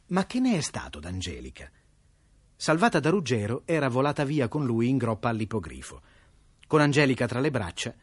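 A man narrating a classic tale for radio in a lively, wry storytelling manner. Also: mid-range voice, slightly rough, no room sound.

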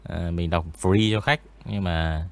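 A man with an eerie, spooky-sounding voice, a ghost story narrator chatting in a relaxed, rambling interview with frequent pauses. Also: sits low. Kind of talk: casual interview chat.

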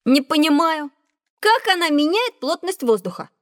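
High lively boy, a woman doing him, always asking questions, dry studio sound. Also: moderate pace, no room sound. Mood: curious. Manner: eager, full of questions. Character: lively curious schoolboy who loves running. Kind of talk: children's audio drama.

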